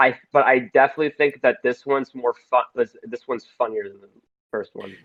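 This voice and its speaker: A man's ordinary speaking voice with an American accent, fairly high pitch and moderate pace. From United States. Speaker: podcast co-host. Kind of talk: casual chat.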